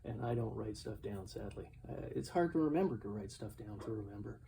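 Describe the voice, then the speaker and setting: A man's voice: on the low side, expressive, brisk, dark tone. Older man rambling casually over noisy audio. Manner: rambling, self-deprecating. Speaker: collectibles reseller showing a garage sale haul. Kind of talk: casual unscripted show-and-tell vlog. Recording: clearly noisy home recording with clicks.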